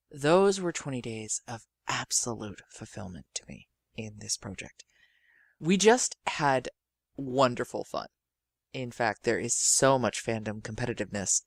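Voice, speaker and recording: A woman's voice: very deep voice, no room sound. Theatrical woman podcast host, dry close sound. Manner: theatrical, effusive, quotes others in acted voices. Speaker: podcast host and audio drama creator. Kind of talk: podcast introduction, dramatic storytelling.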